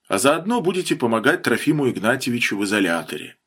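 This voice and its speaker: A man's voice: mid-range voice, very animated, fast talker, a bit bright, breathy edge. A man reading an audiobook, voicing a formal, businesslike male superior giving instructions.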